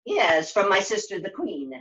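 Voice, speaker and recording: A woman's voice: mid-range voice, sing-song, moderate pace, fairly bright tone, dull audio. A woman voicing an imperious, insistent forest witch in a puppet show, commanding in manner. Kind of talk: puppet show character acting.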